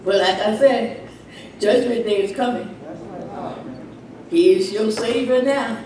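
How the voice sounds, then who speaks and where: A woman's voice: a little high, slow, dark tone, a little hiss or hum. A woman preaching a fiery sermon like a doomsday preacher, warning of judgment with emphatic repetition and rhetorical questions. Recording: very echoey room, distant microphone.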